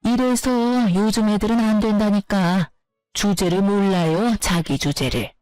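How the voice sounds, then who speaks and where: A woman's voice: medium pitch, unhurried, darkish tone, smooth, dry recording, faint music behind, natural voice. A woman voicing a contemptuous middle-aged mother-in-law who berates and insults her daughter-in-law. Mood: scornful.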